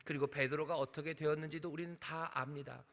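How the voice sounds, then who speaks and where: A male senior pastor preaching a sermon with passion, using dramatic pauses and rhetorical questions. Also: on the high side, steady tone, creaky, fairly bright tone. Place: church sanctuary. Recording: reverberant church hall.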